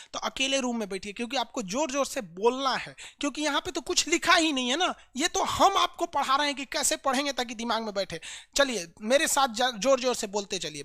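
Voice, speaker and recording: Energetic male teacher chanting drills. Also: very high-pitched, no echo, clean studio sound. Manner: energetic, drills by loud rapid repetition, coaxing. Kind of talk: online map lesson with chanted drills.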